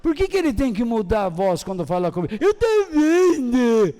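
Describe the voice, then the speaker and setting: A man's voice: very high voice, sing-song, normal speed, warm tone, some chatter behind, voice pushed up. An older man voicing his little granddaughter in a playful, childlike imitation during a sermon. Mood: amused. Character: little granddaughter girl, amused and puzzled. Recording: long church hall reverb.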